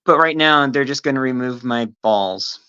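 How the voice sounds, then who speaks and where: A trans woman speaking as a podcast guest, hesitant and soft-spoken with frequent ums. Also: rumbling low, moderate pace, smooth, lo-fi sound. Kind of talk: casual podcast conversation.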